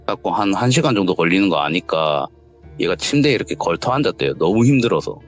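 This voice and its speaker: A man's voice: low voice, fast talker. A man casually telling a true ghost story, acting out the voices in the dialogue he recounts. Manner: animated, acts out the voices in quoted dialogue. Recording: dull lo-fi audio with faint background music.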